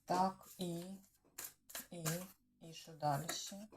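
A woman's voice: fairly low pitch, steady tone, takes it slowly, darkish tone. A woman with a Ukrainian accent doing a casual tarot reading on the news, musing aloud to the cards and her viewers and trailing off mid-thought. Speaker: tarot reader. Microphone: clip-on or desk microphone.

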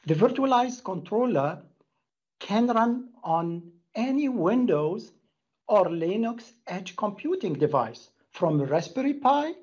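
A middle-aged man delivers a prepared business presentation with earnest emphasis. His voice is husky and rough-edged. The sound is slightly dull, as on a video call. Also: high-pitched, big pitch swings, takes it slowly, darkish tone. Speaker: company executive presenter. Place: indoor room, plain wall.

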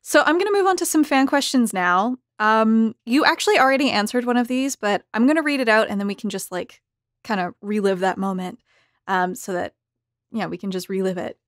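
A woman's voice: on the high side, fairly quick, dry recording, studio quality. A woman hosting a casual roundtable, chatting and putting questions to her guests. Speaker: host, moderator. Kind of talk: casual chat, reading out questions.

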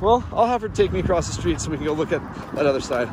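A man casually vlogging outdoors beside a creek, chatting warmly to his viewers as he walks. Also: fairly high pitch, animated, very fast. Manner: chatty, affectionate toward viewers. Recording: loud outdoor noise and traffic.

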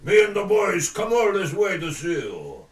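A brash, bossy mob boss, as a man plays him, barking orders with a laugh in a high, lively voice. He sounds roomy and set back from the mic, like a homemade radio play. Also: normal speed, distant mic. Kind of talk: comedic audio drama.

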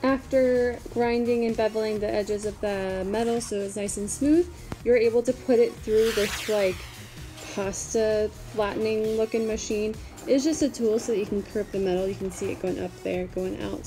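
Young woman vlogging, chatty and easygoing, says like a lot, soft music under it. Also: fairly high pitch, steady tone, normal speed. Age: young adult. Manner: chatty, lots of "like" fillers. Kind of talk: casual vlog chat.

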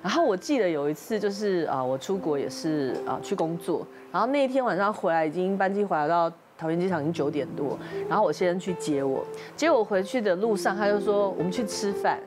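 A woman in her fifties, a talk-show guest, telling an animated story and acting out both sides of the dialogue. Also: lowish voice, fast, hardly any pauses, music in the background. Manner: lively, animated retelling with quoted dialogue. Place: TV studio.

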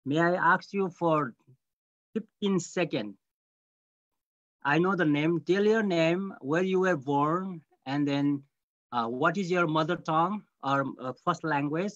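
A man's voice: fairly high pitch, no room sound. An older man giving an online guest lecture on language, spelling words out letter by letter and repeating key phrases. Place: home room, virtual background. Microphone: laptop video call. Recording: dull lo-fi video call.

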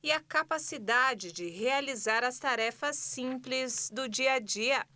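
Bright, crisp woman reading news. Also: on the high side, no room sound. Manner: clear, steady scripted reading. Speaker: news reporter. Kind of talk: news voice-over.

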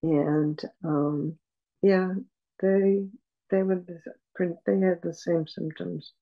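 An older woman on a video call at home, speaking softly and haltingly with many pauses as she talks about her life as a patient. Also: on the low side, steady tone, phone-quality sound. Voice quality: soft voice. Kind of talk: personal account in an interview. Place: room at home. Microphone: video call webcam.

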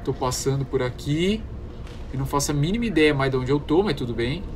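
A man's voice: mid-range voice, expressive, a little fast, a little hiss or hum. A man with a Brazilian accent commentating on a horror game, panicky and easily startled. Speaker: gamer.

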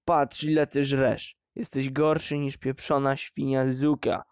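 A man voicing a drunk, bitter middle-aged miner who yells contemptuously at his son. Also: mid-range voice, little pitch movement, a little slow, clear, resonant tone, no echo, studio quality, close to an everyday voice. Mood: drunken rage. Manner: shouting, snarling, contemptuous.

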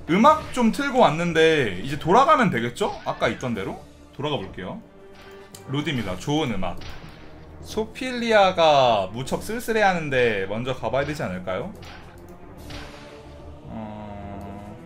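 A man casually commenting on his gameplay as a streamer, chatty and breaking into loud excited outbursts and swearing. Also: on the high side. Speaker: game streamer.

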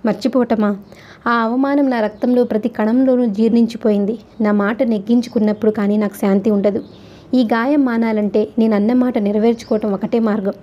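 A woman reading the lines of an earnest, protective young husband in a gentle but firm, low voice. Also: fairly even intonation, a little fast, lo-fi sound, slight background noise, close to an everyday voice. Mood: resolute.

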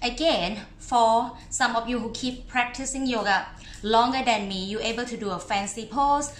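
A woman in her thirties, a yoga teacher, chatting casually and unhurriedly to her class on a live stream, with pauses. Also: fairly high pitch, roomy sound, slight background noise. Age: 30s.

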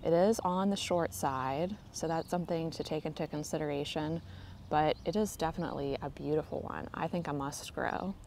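Low-pitched woman chatting gently while walking her garden, phone mic, light outdoor noise behind. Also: normal speed, gravelly. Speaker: garden vlogger giving a tour. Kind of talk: casual walking garden tour. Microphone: handheld phone camera, filming while walking. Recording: faint outdoor ambience.

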